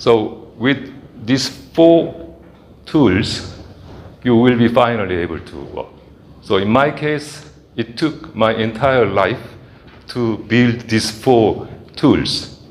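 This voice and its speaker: A man with a Korean accent at a medium pitch, very slow, with long, frequent pauses and audible room echo. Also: lively intonation. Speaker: astronomy professor. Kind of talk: lecture. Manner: deliberately slow; hesitant, many fillers.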